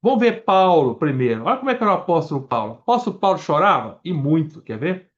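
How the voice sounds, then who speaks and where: A man's voice: a little high, sing-song, fast talker. Brazilian man preaching, dull lo-fi sound. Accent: Brazilian Portuguese. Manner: reads scripture aloud verse by verse, restarting words and explaining as he goes; addresses the congregation directly. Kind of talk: Bible-study sermon.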